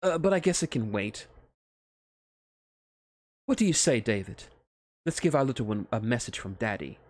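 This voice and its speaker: Man doing an eager nerdy scientist, raised pitch. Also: very animated, normal speed, darkish tone, dry recording, studio quality. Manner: eager, slightly hesitant. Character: excitable nerdy male scientist, eager and polite.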